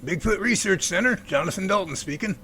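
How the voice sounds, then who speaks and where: A man's voice: high-pitched, expressive, fairly quick, sharp tone, slight background noise, heavily acted. A man playing a genial middle-aged professor in an amateur audio drama, with courteous, folksy phrasing. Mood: pleased. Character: genial middle-aged professor running a Bigfoot research center.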